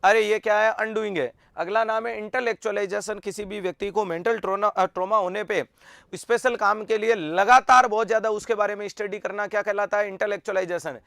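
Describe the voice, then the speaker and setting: A man teaching an online nursing exam lecture, energetic and quizzing students with repeated rhetorical questions. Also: sits high, a little fast, gravelly, no room sound, clean studio sound.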